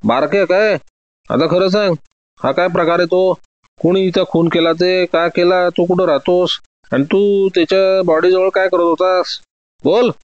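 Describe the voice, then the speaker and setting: A man's voice: on the high side, moderate pace, no echo, muffled recording, natural voice. A man reading a story aloud, voicing a hot-tempered male police inspector who blusters and barks demands. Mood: angry.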